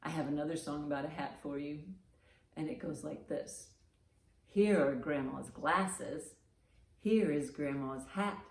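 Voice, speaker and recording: A woman hosting a children's storytime, reading aloud and reciting rhymes with expressive, deliberate emphasis. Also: low-pitched. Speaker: library storytime host.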